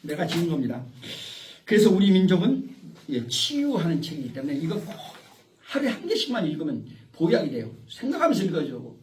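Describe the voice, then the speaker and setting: A man's voice: fairly high pitch, big pitch swings, fairly quick, a little mellow, a little hiss or hum. A man giving an informal, rambling lecture to a small group, often interrupted by the audience. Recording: echoey room, far from the mic.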